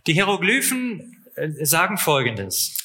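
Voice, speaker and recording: This man works as a live interpreter and turns each phrase around quickly. His voice is bright and sits a little high. His delivery stays matter-of-fact, with occasional filler sounds. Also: sing-song.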